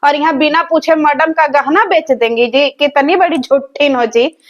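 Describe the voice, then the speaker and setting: A woman's voice: high voice, steady tone, normal speed, dull audio. A woman, hosting a reaction video and roasting the people in it in a mocking, sarcastic, scolding way. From rural village in north India.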